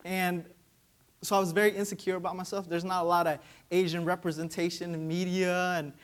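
A man's voice: high-pitched, little pitch movement, fairly quick. A young man with Vietnamese as his first language, preaching a sermon in a conversational way and often asking "right?". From Vietnamese American, raised in Georgia. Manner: conversational, frequent "right?" tag questions.

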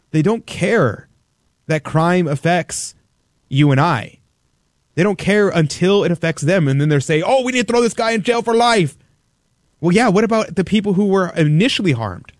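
Male talk radio host, mid pitch, dry studio sound, emphatic and indignant. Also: dry recording. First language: English. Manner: emphatic, indignant, rhetorical questions. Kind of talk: opinionated talk radio commentary.

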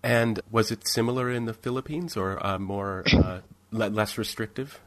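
A man hosting a podcast, introducing his guest and asking curious, halting questions. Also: fairly low pitch, fairly even intonation, a bit bright. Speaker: podcast host. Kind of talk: interview hosting.

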